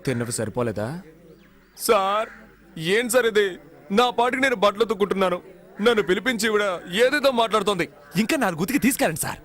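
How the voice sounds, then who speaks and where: A sly, streetwise young prisoner in a dubbed film, trading jabs in a high, brisk voice. He rattles his lines off quickly, mocking one moment and sulking the next. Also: sing-song, fairly bright tone. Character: cheeky jailed young man, sly and wounded. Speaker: film character.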